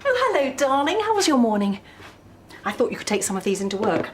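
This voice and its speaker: A woman's voice: sing-song, fast talker, noisy background. A gushing, fussy mother. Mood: doting. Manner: gushing, then shrill. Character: fussy, doting middle-aged mother. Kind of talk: TV drama acting.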